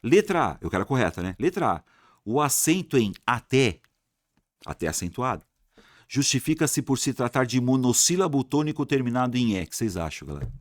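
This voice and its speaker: Lively Brazilian man drilling grammar. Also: medium pitch, fairly quick, dry recording, studio quality. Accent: Brazilian Portuguese. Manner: lively, colloquial, repeats words to drill them; talks to students directly, asks and answers own questions. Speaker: Portuguese teacher for exam prep. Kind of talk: online grammar lesson.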